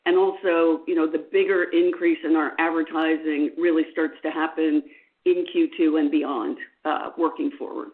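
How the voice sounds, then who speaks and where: A woman's voice: low voice, little pitch movement, normal speed. Woman executive on a muffled phone line. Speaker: company executive on an earnings call. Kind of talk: business answers, semi-scripted.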